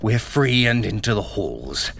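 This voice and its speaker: Smug, animated trickster god. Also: male voice, on the low side, creaky, husky, exaggerated voice. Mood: conspiratorial. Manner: haughty, quick-witted, theatrical. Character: sly, smug male trickster god guiding a mortal. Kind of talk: audio drama acting.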